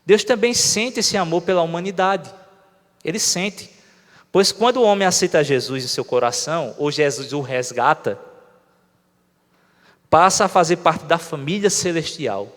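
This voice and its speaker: A man's voice: on the high side, expressive, normal speed, fairly bright tone. A Brazilian man preaching a conversational sermon, often asking the congregation questions. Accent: Brazilian Portuguese. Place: church hall. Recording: long reverb of a church hall.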